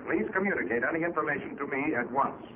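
An actor playing a commanding master detective, making formal, deliberate announcements in a 1940s radio drama. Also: male voice, fairly high pitch, close to an everyday voice. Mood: grave, urgent. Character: commanding male master detective broadcasting a manhunt appeal. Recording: narrow, lightly noisy old radio recording.

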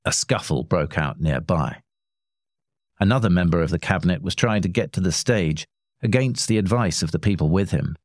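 Man reading a story, deep low voice, measured and a bit wry, dry close sound. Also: animated, darkish tone, dry recording. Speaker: narrator.

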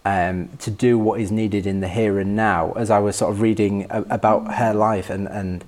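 Man, fairly low voice, reflective, halting, repeats words while searching, conversational interview guest. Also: steady tone, darkish tone. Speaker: podcast guest discussing a favourite poem. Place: in-person conversation at an institute.

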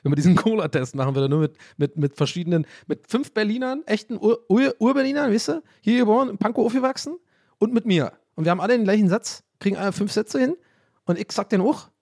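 A man's voice: high voice, fast talker, a little mellow, dry recording. A man hosting a casual solo podcast who rambles and amuses himself, often restarting his sentences into a close mic. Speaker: podcast host.

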